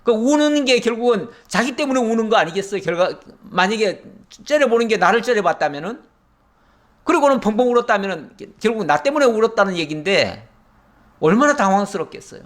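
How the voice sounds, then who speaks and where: A male pastor giving an expository Bible sermon, telling the story vividly and acting out the characters' questions, with phrases that drop low and soft at the ends. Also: a little fast. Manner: animated storytelling, acts out dialogue with rising pitch.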